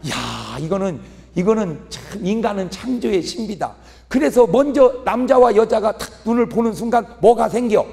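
A middle-aged man preaching a humorous revival sermon, telling stories with animated delivery and acting out dialect speakers. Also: high-pitched, normal speed, creaky. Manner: animated storytelling, mimicking regional dialect speakers. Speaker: pastor. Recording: long hall reverb with faint ambience.

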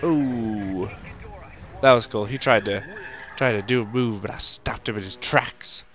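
A young man with a stuffy nose from a cold, rambling through casual let's-play commentary and shouting at the game now and then. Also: lowish voice, a little slow, a little hiss or hum. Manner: rambling, makes sound effects and shouts at the game.

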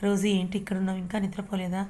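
Woman reader doing a gentle, curious young friend, flat and mellow. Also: mid-range voice, very fast, lightly acted.

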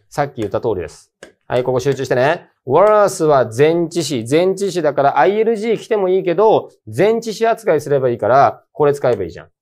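A male teacher explains English grammar to exam students in a relaxed, slangy way. His pitch jumps around a lot as he stresses key points, and his voice sits at an ordinary middle height. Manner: lively, colloquial, emphatic. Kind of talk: casual exam-prep lecture.

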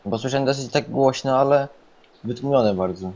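A man's voice: mid-range voice, moderate pace, darkish tone, muffled recording. A man on voice chat during a shooter game, casually asking his teammate short practical questions.

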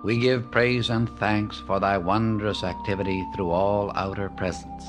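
A man reading a devotional book aloud as an audiobook narrator, in a measured, reverent way with long pauses. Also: lowish voice, steady tone, loud music behind the voice. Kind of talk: slow, solemn reading of devotional text.

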